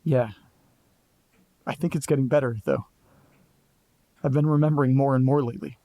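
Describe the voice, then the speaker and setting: A man's voice: mid-range voice, fairly even intonation, dark tone, no echo, lightly acted. A man playing a restless, sardonic young man. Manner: sardonic, restless, quick to jump to conclusions. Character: Nate, anxious young man chasing a mystery. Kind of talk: audio drama acting.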